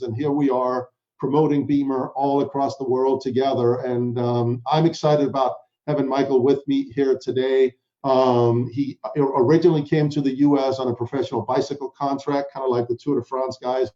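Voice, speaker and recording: An upbeat man from Denmark hosts an online presentation in a mellow, darker voice. He talks straight to his listeners in a chatty way. The audio sounds muffled and dull. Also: mid-range voice, flat delivery, fairly quick, few pauses. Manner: upbeat, chatty, addresses audience directly. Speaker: webinar host. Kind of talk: presenting a sales webinar.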